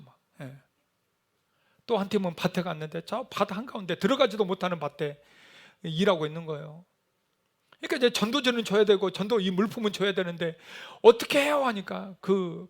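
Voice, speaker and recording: A middle-aged male pastor preaching a sermon, telling a mission story with animated storytelling and acted-out shouted quotes. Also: high voice.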